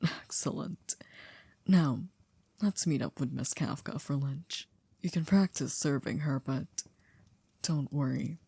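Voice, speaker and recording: Woman acting a low, breathy, formal maid. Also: dry recording, full character voice. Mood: courteous, composed. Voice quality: breathy, hushed, often near a whisper. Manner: formal, polite, measured, with stiff wording. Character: poised, formal female vampire's maid, coolly controlling and devoted. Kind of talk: ASMR roleplay acting.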